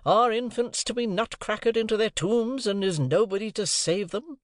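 A man's voice: high-pitched, normal speed, no room sound, clean studio sound, pitched above the performer's own voice, natural voice. A man reading an audiobook, voicing a flustered father who exclaims in helpless exasperation. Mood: desperate. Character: flustered, desperate middle-aged father.

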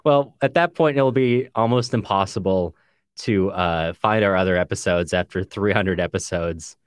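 A man's voice: low-pitched, moderate pace, smooth, dry recording, clean studio sound. A man co-hosting a book discussion podcast in a casual, chatty way, sometimes reading out listener comments. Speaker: podcast co-host.

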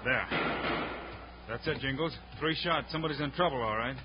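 A steady western hero lawman, played by a man, medium-pitched, firm and decisive. It is old-time radio acting on a muffled, clearly noisy recording. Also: brisk, lightly acted. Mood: alert. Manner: firm, plain-spoken.

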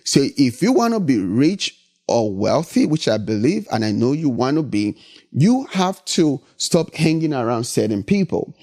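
Hosting a motivational business podcast, a middle-aged man from Nigeria speaks with a Nigerian accent, a medium-pitched, slightly mellow voice and big swings in pitch at a normal speed. He is emphatic and repetitive, tossing in "right?" again and again.

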